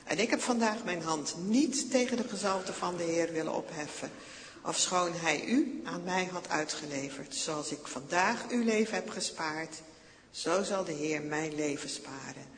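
A man voicing the young warrior David, earnest and calling out loudly. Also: fairly high pitch, a little slow, long reverb tail, a little hiss or hum, natural voice. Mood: solemn.

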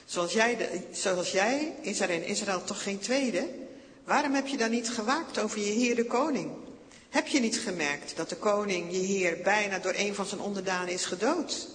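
A man voicing young David, calling out loud. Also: sits high, lively intonation, normal speed, in a large hall. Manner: calling out loudly, earnest. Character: young warrior David, bold and pleading.

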